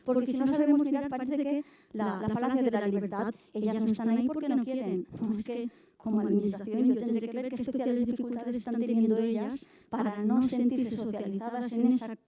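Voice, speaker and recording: Far-off woman lecturer, very mellow voice. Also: a little high, fairly even intonation, fairly quick. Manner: explanatory, addresses the class directly with checks for understanding. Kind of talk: university summer course lecture. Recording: voice from far off the mic.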